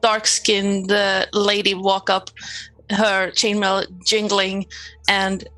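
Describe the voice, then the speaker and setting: A woman's voice: medium pitch, completely flat delivery, slow, sharp tone, dry recording, soft background music, low-quality recording. A woman playing a tabletop game, improvising descriptive narration of her character.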